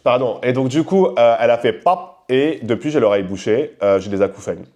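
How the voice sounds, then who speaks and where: Young male host, loud casual rant, slangy, lively, mid pitch. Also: brisk. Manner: animated and slangy, acts out quoted people; talks loudly. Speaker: podcast host. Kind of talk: casual ranting monologue.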